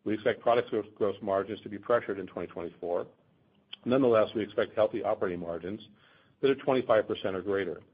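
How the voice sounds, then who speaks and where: A man with a fairly low, husky voice reads out prepared financial remarks on an earnings call. His delivery is formal and measured, and the audio is slightly dull, as from a conference line. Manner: formal, measured reading of figures. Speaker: company finance executive. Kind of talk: scripted earnings call presentation.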